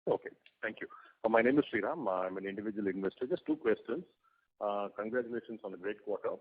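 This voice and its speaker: A man's voice: on the low side, quick pace, husky. A man asking questions as an individual investor on a conference call, polite and somewhat hesitant in his phrasing. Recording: tinny phone conference line.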